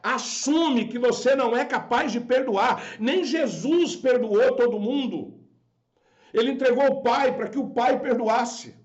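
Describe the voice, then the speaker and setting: A man's voice: extremely high pitch, unhurried, lo-fi sound. A man with a Brazilian Portuguese accent preaching a fervent, scolding sermon as a pastor on a live stream. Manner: fervent, scolding, acts out quoted voices.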